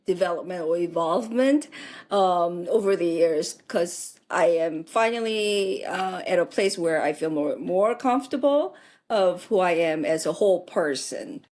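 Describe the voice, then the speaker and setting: Lively, encouraging woman podcast host. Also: on the low side, unhurried. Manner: encouraging, frequent affirming murmurs. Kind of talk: podcast interview.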